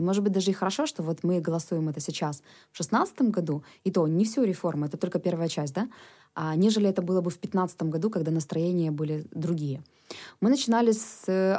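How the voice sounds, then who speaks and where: Woman, Ukrainian native speaker, mellow low voice, earnest, explaining. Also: slightly rough. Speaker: government official, guest. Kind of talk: interview answers, explanatory.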